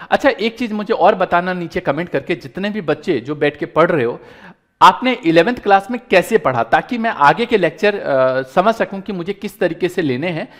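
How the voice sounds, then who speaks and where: A man teaching accounts in an online lecture, earnest and encouraging, pleading with students and fellow teachers as he explains each step. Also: fairly high pitch. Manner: earnest, pleading and encouraging, mixing English terms into Hindi.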